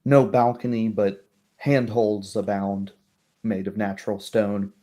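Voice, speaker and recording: A man narrating a tabletop roleplay game as game master in a measured, descriptive way. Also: fairly low pitch, steady tone, warm tone.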